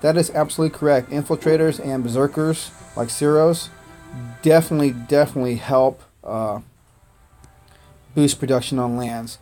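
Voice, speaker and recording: A man born in Korea whose first language was Korean, chatting casually on a game livestream, thanking viewers by name and filling pauses with "uh" and "man". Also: medium pitch, fairly even intonation, warm tone, soft background music. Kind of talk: casual gaming livestream chat.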